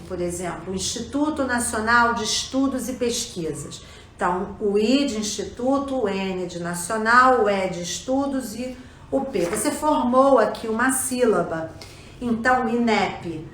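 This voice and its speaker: A woman's voice: medium pitch, fairly bright tone, a little hiss or hum. A woman with a Brazilian Portuguese accent teaching a lesson, explaining step by step and often checking in with her listeners. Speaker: language teacher. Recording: echoey room.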